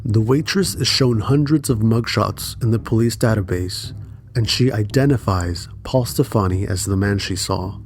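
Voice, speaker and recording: A man reading scripted true crime documentary narration in a measured, serious way. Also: lowish voice, soft background music.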